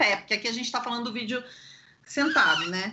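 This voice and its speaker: This woman sounds animated. Her tone stays lively throughout. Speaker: communicator teaching video recording. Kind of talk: online interview / tutorial. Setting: video call.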